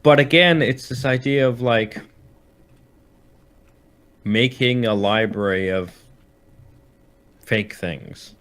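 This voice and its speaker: A man's voice: mid-range voice, slow, pauses often, fairly bright tone. A man chatting casually about games as a podcast host, explaining things hesitantly and often rephrasing mid-sentence.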